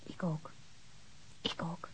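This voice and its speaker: A woman playing a policeman's intimate, quietly probing lover in a radio drama, speaking softly in terse questions. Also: slow, whispered, rough recording. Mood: tender. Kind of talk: naturalistic Dutch radio drama acting.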